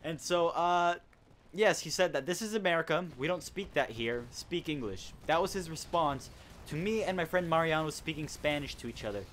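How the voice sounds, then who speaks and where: A man's voice: a little high, animated, normal speed, a bit bright, slight background noise. A teenage boy hosting a casual gaming chat, telling a school story in a rambling, indignant way. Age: teens. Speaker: host.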